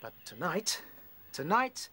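A young rabbit chief in a radio play. His voice is on the high side, with an earnest, decisive way of speaking and natural delivery. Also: big pitch swings, slow pace, pushed and bright, husky, full character voice. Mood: earnest, leading. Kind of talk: naturalistic radio drama acting.

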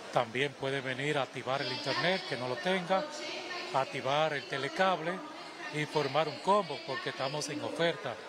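A middle-aged Dominican man at an expo fair stand, inviting people in and promoting offers. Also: medium pitch. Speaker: company employee. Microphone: interviewer's handheld mic. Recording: noisy fair hall.

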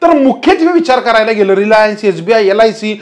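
A man's voice: high voice, animated, normal speed. A man in his thirties giving an emphatic stock market lesson, often telling viewers to remember key points, recorded on a lapel mic in a studio. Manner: emphatic, repeats "remember", gestures while explaining. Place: studio in front of a large presentation screen.

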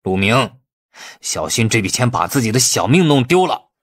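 A man's voice: medium pitch, sing-song, normal speed, husky, no room sound, studio quality. A man voicing an irascible, calculating police chief in an audiobook, blustering and commanding. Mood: menacing.

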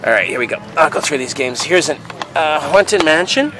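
A man's voice: a little high, expressive, moderate pace. Rambling man sorting games at an outdoor flea market. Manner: rambling, thinking aloud, many fillers. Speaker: video game reseller. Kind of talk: casual handheld vlog narration. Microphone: handheld camera. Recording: noisy outdoor camera audio.

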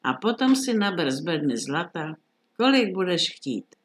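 A woman's voice: fairly low pitch, very animated. A woman voicing a scheming old witch in a storybook reading, coaxing and secretive. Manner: coaxing, then curt.

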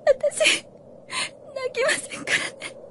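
An actress playing a tender, grieving young woman in love in a radio drama, speaking softly and with deep emotion. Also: slow pace, slight background noise. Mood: tearful resolve. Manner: soft, emotional. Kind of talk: Japanese fantasy radio drama acting.

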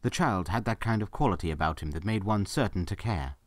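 A man's voice: lowish voice, lively intonation, fairly quick, no room sound. A man giving scripted narration for a story, as the narrator of an audio drama.

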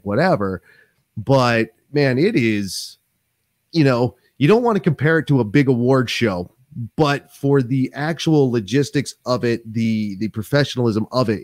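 A man in his thirties hosting a podcast interview from a home office, talking in a rambling, animated way with many restarts. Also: medium pitch, no room sound, clean studio sound. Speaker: podcast host. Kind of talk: casual interview chat. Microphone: desk microphone on stand.

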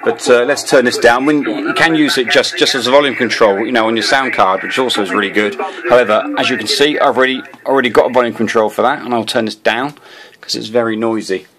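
A man's voice: mid-range voice, quick pace, crowd noise. Hesitant man giving a casual demo. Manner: hesitant, rambling, often repeating words. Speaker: video host, amateur radio hobbyist. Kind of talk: casual off-the-cuff product demonstration. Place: small indoor room at a desk. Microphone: handheld camera or phone.

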